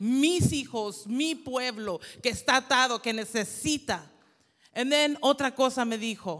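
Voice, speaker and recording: Very clean and set against a silent background, the recording has a woman speaking high and fairly slowly with ordinary pitch variation. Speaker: church member giving testimony. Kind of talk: testimony. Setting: church with congregation.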